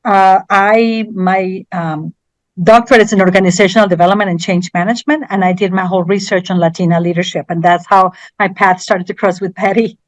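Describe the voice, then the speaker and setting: A woman's voice: mid-range voice, steady tone, fairly quick, dry recording. Earnest Colombian-born woman, dry sound. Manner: earnest, repeats words while finding them. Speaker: guest, university diversity educator. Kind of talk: casual panel talk.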